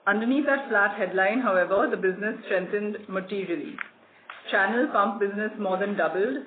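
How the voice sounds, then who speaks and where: An executive reads a scripted earnings presentation in a formal, measured corporate way. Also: medium pitch. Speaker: company executive presenting quarterly results. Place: conference call. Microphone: phone or conference call line. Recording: phone-like conference line with clear noise.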